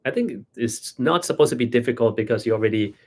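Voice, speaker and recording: A man's voice: mid-range voice, expressive, fast talker. A man with a Thai accent, a native Thai speaker, explaining things as a doctor hosting a casual Q&A. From Thailand. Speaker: doctor and live-stream host.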